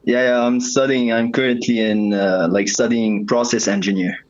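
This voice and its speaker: A young man from Lebanon calling in over the phone, relaxed and quick to laugh. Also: mid-range voice, lo-fi sound. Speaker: caller. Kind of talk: casual chat.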